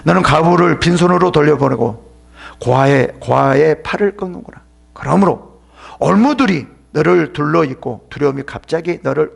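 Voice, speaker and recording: A man's voice: a little high, vocal fry, husky. A man pastor giving an emphatic sermon at a church seminar, addressing listeners sharply and sometimes dropping into a whisper.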